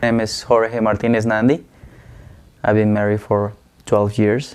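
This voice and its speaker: With a Spanish accent, this man talks at a moderate pace in a fairly low pitch, his intonation monotone and flat. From Mexico. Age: 30s. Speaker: interviewee, former abuser. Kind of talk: testimony.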